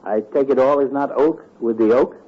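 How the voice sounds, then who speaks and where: An actor playing a sarcastic, bickering older town doctor in an old radio comedy. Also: male voice, medium pitch, normal speed, warm tone, lightly acted. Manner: dry, sarcastic. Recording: muffled old radio transcription.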